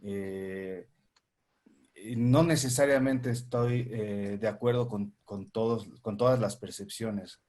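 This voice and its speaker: A man speaks on a film panel, his voice sitting somewhat low. He talks in a measured, reflective way, pausing often on fillers and restarting phrases as he works out his thoughts. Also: fairly even intonation, a little mellow. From Bolivia. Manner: hesitant, many fillers and restarts. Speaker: filmmaker and teacher on a panel.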